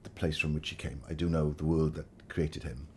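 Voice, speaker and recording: A man from the Valleys, a film director, speaking earnestly in an interview and pausing often to restart his thoughts. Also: very deep voice, little pitch movement, a little hiss or hum. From Wales. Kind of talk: reflective interview talk.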